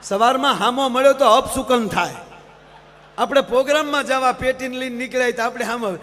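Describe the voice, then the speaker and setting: A man's voice: very high voice, fairly quick, slight background noise. A man, a folk comedian telling stories to a live crowd, who keeps addressing the audience and acts out the voices in his jokes. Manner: lively storytelling with acted quotes and asides to the audience. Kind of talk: Gujarati folk stage humor storytelling. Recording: live stage PA with long hall reverb.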